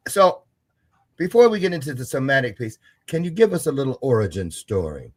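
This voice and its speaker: A man hosting an interview podcast, chatty and joking, swinging between soft musing and loud excited bursts. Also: mid-range voice, fairly quick. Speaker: podcast host. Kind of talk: casual interview chat.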